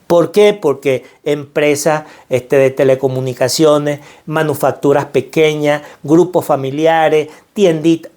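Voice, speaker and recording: A man's voice: on the high side, darkish tone. A middle-aged man with a Venezuelan accent giving an earnest, preacherly motivational talk, repeating phrases for emphasis. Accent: Venezuelan Spanish. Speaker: financial mindset speaker.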